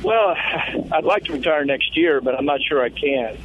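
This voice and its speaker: A man's voice: a little high, animated, moderate pace, a little hiss or hum. A man in his sixties calling in to a radio show over a phone line, asking his question hesitantly with many fillers and restarts. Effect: voice heard over a phone line into a radio show. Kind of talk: casual call-in question.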